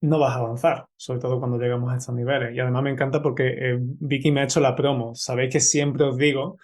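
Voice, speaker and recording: A man's voice: mid-range voice, little pitch movement, fast, darkish tone. A man with an Andalusian Spanish accent hosting a podcast interview, chatty and asking long questions. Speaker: podcast host.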